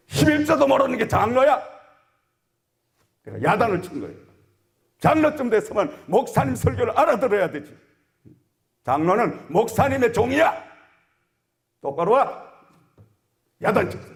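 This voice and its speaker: A middle-aged male pastor preaching a sermon with animated delivery, shouting commands and acting out exchanges. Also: a little high. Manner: animated preaching, shouted commands, acts out dialogue, frequent "응?" asides. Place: church sanctuary. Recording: echoey church hall.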